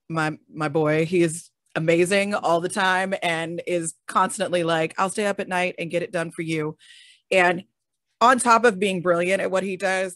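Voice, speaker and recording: An energetic woman speaks as a guest on a panel over a video call and laughs often as she talks. Her voice is fairly low for a woman. The sound is dry and close. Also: no room sound. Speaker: audio drama creator, panel guest. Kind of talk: casual panel discussion.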